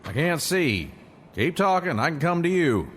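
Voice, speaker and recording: A man's voice: on the high side, big pitch swings, moderate pace, background noise. An actor playing a lonely, protective man long stranded as a castaway in an audio drama. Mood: anxious, urgent.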